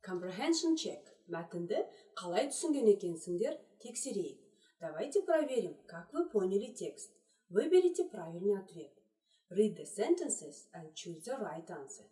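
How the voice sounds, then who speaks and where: A woman teaching a children's English lesson, slowly repeating each word in three languages. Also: medium pitch, big pitch swings, mellow. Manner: slow, deliberate, repeats words in three languages. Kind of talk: trilingual video lesson for children. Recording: echoey room, voice distant from mic.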